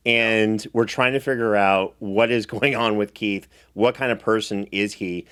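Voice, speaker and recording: A man's voice: lowish voice, fairly even intonation, measured pace, fairly bright tone, clean tone. A man hosting a casual recap show, talking in a playful, mock-indignant way. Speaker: podcast host and show producer.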